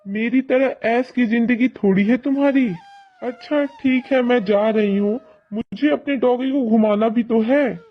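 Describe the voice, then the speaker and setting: A man voicing a spoiled, arrogant rich young girl who mocks others in a boastful tone, in an animated storybook. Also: extremely high pitch, measured pace. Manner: mocking, boastful. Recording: dull lo-fi audio, faint music.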